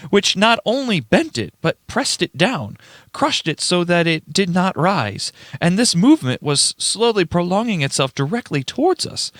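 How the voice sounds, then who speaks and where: Radio play witness: earnest, rattled young man played by a male reader, formal storyteller, very lively intonation, dry sound. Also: high voice, dry recording. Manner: formal old-fashioned storytelling, stumbling over words. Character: young man writer testifying, earnest and unnerved. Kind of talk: dramatic radio play reading.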